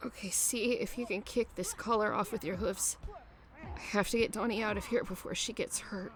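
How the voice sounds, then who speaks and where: A woman's voice: mid-range voice, fairly even intonation, normal speed, natural voice. A woman playing a battered, drained magical woman who stays grimly determined, in an audio drama. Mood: weary, determined. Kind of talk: scripted audio drama acting.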